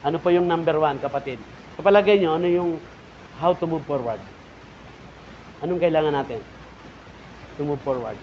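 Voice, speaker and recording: A male pastor with a Filipino accent delivers a sermon, his fairly high voice rising and dropping as he drives each point home and calls to the congregation. The church recording is dull and lo-fi, with faint noise underneath. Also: moderate pace, pauses often. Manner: preaching with rising and falling emphasis, repeated calls to the congregation.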